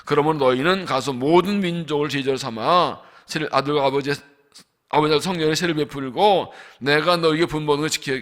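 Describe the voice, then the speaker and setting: A man preaching as senior pastor at a dawn revival service in a church, emphatic, asking the congregation questions and slowly stressing scripture lines. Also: a little high, fairly bright tone. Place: church sanctuary.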